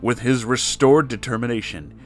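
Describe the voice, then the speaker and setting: A man's voice: medium pitch, normal speed, faint music behind. A man narrating a comic fan story in a theatrical, mock-serious dramatic reading. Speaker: story reader.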